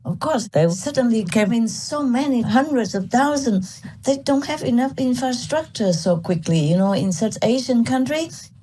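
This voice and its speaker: A woman from Vietnam speaks as a spiritual teacher, recounting her past candidly and laughing often. Her voice is mellow and a little husky. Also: a little high, lively intonation, normal speed, hardly any pauses. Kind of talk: storytelling talk to disciples.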